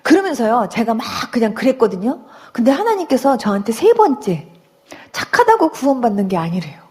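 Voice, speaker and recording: A woman giving an emotional religious testimony, telling her story with animated storytelling and acting out her own past words. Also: a little high, brisk. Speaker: church testimony speaker.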